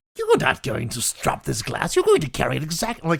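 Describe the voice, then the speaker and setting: A put-on character voice at middle pitch carries a menacing tone. It moves at a very fast pace. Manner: menacing, scolding.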